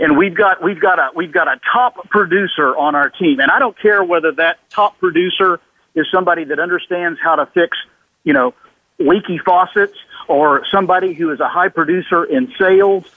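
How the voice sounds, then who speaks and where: A man's voice: high voice, no room sound, narrow, tinny audio. A man giving a conversational radio interview as an expert guest, emphatic, often repeating words and acting out quoted remarks. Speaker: interview guest, business author and consultant.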